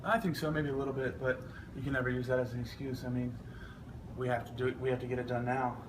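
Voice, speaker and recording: A young man, an athlete answering press scrum questions in a measured, earnest way. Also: mid-range voice, little pitch movement. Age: young adult. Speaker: football offensive lineman being interviewed. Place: media scrum with ambient noise. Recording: clearly noisy ambient background.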